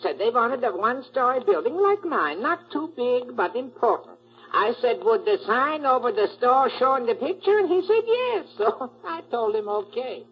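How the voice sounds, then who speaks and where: A man's voice: very high-pitched, sing-song, moderate pace, full character voice. A man playing a distraught, complaining jewelry store owner in an old radio crime drama, with plaintive broken grammar. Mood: explaining, agitated. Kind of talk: 1940s radio acting. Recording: muffled 1940s radio recording.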